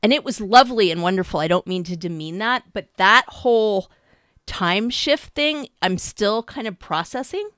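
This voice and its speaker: A woman in her fifties co-hosting a podcast, talking casually in an animated, slangy way with frequent laughter. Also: medium pitch, normal speed, no echo, clean studio sound. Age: 50s. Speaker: podcast co-host. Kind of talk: casual chat.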